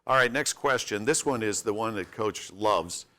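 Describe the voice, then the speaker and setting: Bright-voiced sports radio host. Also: male voice, on the low side, normal speed. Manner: friendly, folksy, joking asides. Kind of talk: sports radio show interview.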